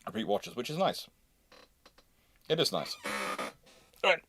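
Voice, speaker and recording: A man hosting a casual live question-and-answer stream, speaking haltingly, often repeating phrases and interrupting himself. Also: mid-range voice, sing-song, bright, forceful tone, slight background noise. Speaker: livestream host.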